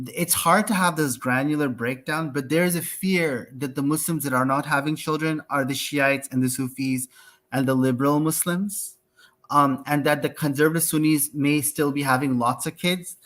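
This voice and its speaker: Measured, analytical man. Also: fairly high pitch, fairly even intonation, a bit bright. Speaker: discussion participant.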